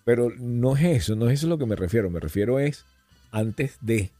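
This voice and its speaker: A middle-aged man speaks as a podcast guest, casual and full of stories, his low voice rising and falling a lot as he slips into quick impressions. The tone is dark and mellow with a husky edge, recorded dry and close with a little music underneath. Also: dry recording. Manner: animated storyteller who slips into voices and accents. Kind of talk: casual conversational storytelling.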